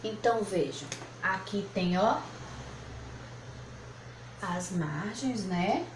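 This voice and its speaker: A woman's voice: medium pitch, animated. Patient teacher woman in an echoey room. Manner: patient, spells out syllables slowly. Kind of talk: classroom lesson at a board. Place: room with whiteboard. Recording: echoey room, faint background noise.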